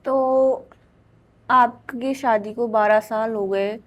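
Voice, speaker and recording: A woman's voice: a little high, fairly even intonation, drawn-out words. A woman hosting a podcast interview, asking direct, probing questions.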